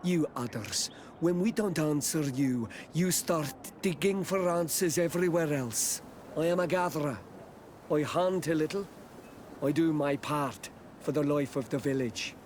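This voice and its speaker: An actor playing a guarded, curt tribal villager in a video game, with terse, formal, halting phrasing. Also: male voice, fairly high pitch, darkish tone, slight background noise, close to an everyday voice.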